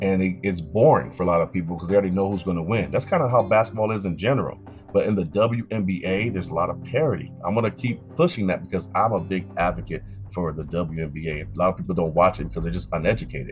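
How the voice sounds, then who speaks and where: Over music in the background, a man with a very deep, low voice speaks at a very fast pace. His intonation is lively and his tone animated. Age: 40s. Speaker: sports podcast host. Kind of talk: casual commentary.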